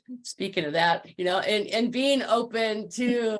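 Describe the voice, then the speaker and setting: A woman talks at a moderate pace, her pitch varying in an ordinary way while noticeable background noise carries on. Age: 60s. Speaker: dating coaching client. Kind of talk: interview testimony. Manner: halting, many fillers and repetitions.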